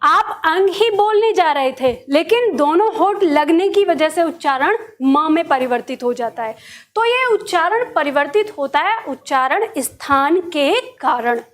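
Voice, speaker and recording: Indian lady teacher, really high voice, patient, walks through it bit by bit. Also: animated, measured pace. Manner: patient, explains step by step and checks understanding. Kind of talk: classroom lesson.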